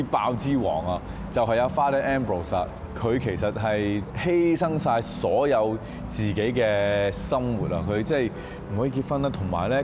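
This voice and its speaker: A young man hosting a TV show, chatting and interviewing in a casual, animated way inside a church. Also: mid-range voice, noisy background. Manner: animated, chatty, many "yes" and "okay" back-channels. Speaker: TV show host. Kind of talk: casual interview, mixing Cantonese and English.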